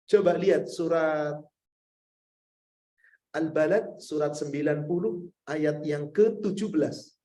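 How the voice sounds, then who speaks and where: A man with a notably high voice delivers a sermon to a congregation. He talks conversationally, keeps asking his listeners questions and addresses them directly as sir and madam. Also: slow, pauses often, dark tone. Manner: conversational, asks the audience many rhetorical questions. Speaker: preacher. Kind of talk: Islamic sermon with Q&A.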